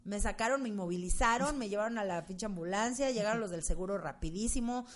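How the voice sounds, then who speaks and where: A woman's voice: mid-range voice, fast. A Mexican woman co-hosting a podcast, telling a personal story casually and colloquially, acting out what people said and repeating phrases. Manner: colloquial, animated retelling with acted-out quotes and repetition. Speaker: podcast co-host.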